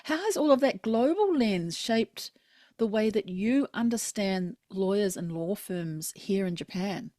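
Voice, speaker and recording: A woman's voice: mid-range voice, lively intonation, unhurried, mellow, no echo, clean studio sound. A woman hosting an interview, enthusiastic and affirming with her guest. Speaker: podcast host. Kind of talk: interview conversation.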